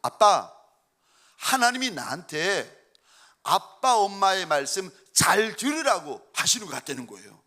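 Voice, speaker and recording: Pastor guy doing his teen daughter asking stuff, curious, lively and a bit high. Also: measured pace, full character voice. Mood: questioning. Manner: plain, lightly acted quotes. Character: young teenage girl, daughter, curious.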